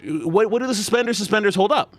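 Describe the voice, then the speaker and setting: A man streaming as he voices a visual novel, joking excitedly and asking his chat for ideas. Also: high-pitched, fast talker, dry recording, soft background music. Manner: excitable, jokey, asks chat for input.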